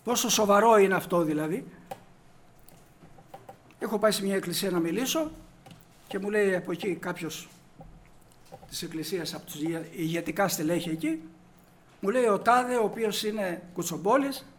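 A man's voice: sits high, pauses often, fairly bright tone, slight background noise. A man preaching a sermon, telling anecdotes and acting out the dialogue, rising to emphatic peaks. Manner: storytelling, acts out dialogue, rises to emphatic peaks.

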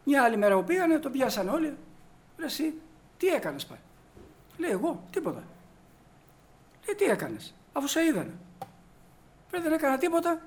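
A man's voice: extremely high pitch, wildly swooping pitch, pauses often. A man preaching a sermon, telling anecdotes and acting out the dialogue, rising to emphatic peaks. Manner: storytelling, acts out dialogue, rises to emphatic peaks.

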